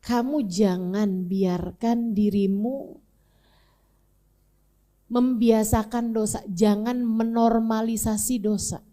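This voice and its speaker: A woman preacher telling a story in a sermon, talking casually and directly to her audience, swinging between soft and emphatic. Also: fairly high pitch, steady tone, slow pace, long pauses. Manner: colloquial, addresses audience directly. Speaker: Islamic preacher.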